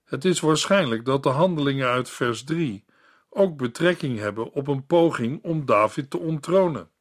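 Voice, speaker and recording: A man reading a scripted Bible commentary in a calm, measured way, as a Bible teacher. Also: mid-range voice.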